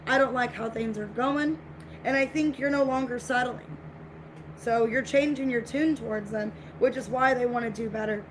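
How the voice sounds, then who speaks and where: Woman reading tarot for viewers, high voice going scratchy, calm and repetitive, a little background hiss. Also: normal speed. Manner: repetitive, reassuring, conversational. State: voice getting scratchy. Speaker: tarot reader.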